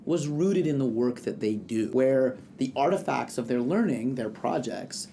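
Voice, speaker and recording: A man's voice: medium pitch, animated, unhurried, warm tone. Earnest American man, reflective, faint background noise. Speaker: educator. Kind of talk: reflective interview talk.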